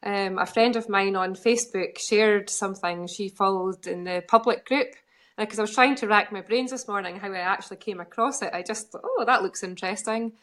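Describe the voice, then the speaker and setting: A woman's voice: medium pitch, fairly quick, fairly bright tone. A Scottish woman in her forties, an occupational therapist, answering interview questions in a friendly, matter-of-fact way. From Scotland.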